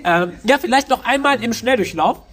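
A man with a cold, a wedding videographer chatting as a podcast guest, enthusiastic and quick to chime in. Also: very high voice, animated, fairly bright tone. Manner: enthusiastic, eager interjections. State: has a cold, coughing. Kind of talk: casual chat.

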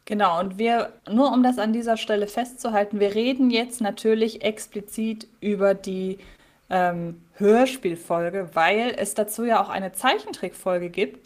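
A woman in her thirties co-hosting a podcast in casual chat, chatty and quick to laugh, with frequent fillers. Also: a little high. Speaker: podcast co-host.

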